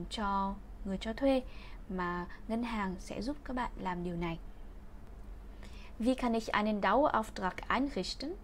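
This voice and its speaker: Slow, clear woman teaching vocabulary. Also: medium pitch, a little hiss or hum. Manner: reads example sentences slowly and repeats them. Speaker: language teacher. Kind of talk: bilingual vocabulary lesson.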